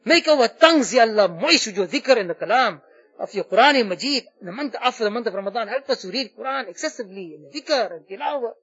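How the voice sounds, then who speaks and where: A man's voice: very high voice, animated, fast, fairly bright tone, slightly rough, lo-fi sound. A man leading an impassioned Muslim supplication, pleading tearfully with repeated invocations. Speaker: Muslim prayer leader. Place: mosque gathering.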